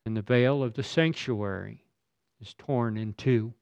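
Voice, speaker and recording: A man's voice: mid-range voice, measured pace, vocal fry, a little mellow, no echo. A man preaching a sermon in a dramatic, emphatic way, building his points through rhetorical questions. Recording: slightly dull lo-fi recording.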